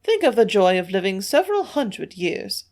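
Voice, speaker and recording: A frail, ancient Martian elder, read by a woman, speaks in a high, quavering voice. He stays calm and earnest, gently persuading his listeners toward a cold decision. An audiobook reading. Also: moderate pace, natural voice. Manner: soft-spoken, coolly persuasive.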